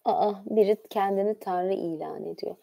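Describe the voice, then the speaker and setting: A woman's voice: mid-range voice, gravelly, dark tone. A woman hosting a livestream, reading aloud and adding informal, conversational asides as she goes. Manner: informal, conversational, often pausing to comment. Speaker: livestream host reading about mythology.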